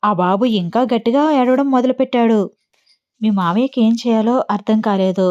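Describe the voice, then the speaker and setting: A woman's voice: on the high side, normal speed, darkish tone. A woman narrating a homemade story in a casual storytelling style, reading all the characters in her own voice. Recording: dull lo-fi sound.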